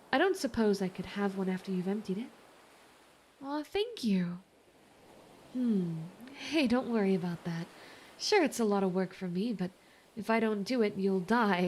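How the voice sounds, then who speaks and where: A woman voicing a kind, worried mermaid in an ASMR roleplay, speaking in a gentle, earnest, slightly hesitant way. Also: medium pitch, a little hiss or hum, natural voice. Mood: eager, practical, then tender, reassuring. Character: kind, worried female mermaid rescuing a shipwrecked sailor.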